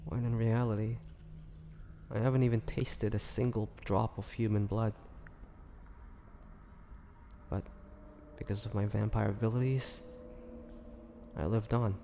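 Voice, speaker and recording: A man playing a weary, bitter young half-vampire prisoner in a dramatic audio roleplay, speaking haltingly and sorrowfully. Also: lowish voice, flat delivery, gravelly, warm tone. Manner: slow, halting, sorrowful delivery with sighs and pauses. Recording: long hall reverb, faint noise.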